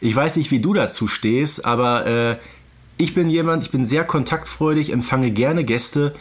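A man co-hosts a casual podcast reviewing audio dramas, keeping things conversational and often seeking agreement with short tag questions. His mid-range voice moves at normal speed.

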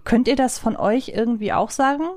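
A woman's voice: a little high, brisk, a little mellow, no echo, studio quality. A woman hosting a podcast, asking casual, conversational questions. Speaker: podcast host.

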